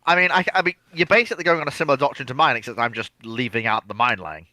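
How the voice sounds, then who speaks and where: A man's voice: medium pitch, rapid-fire, bright, forceful tone, dry recording. A man co-hosting a discussion in a casual, chatty way. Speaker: co-host discussing viewer questions. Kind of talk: casual chat.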